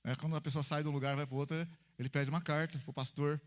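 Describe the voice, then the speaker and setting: Man, pastor, high voice, conversational sermon, acted-out dialogues, church. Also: flat delivery, rapid-fire. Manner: conversational preaching, acts out little dialogues.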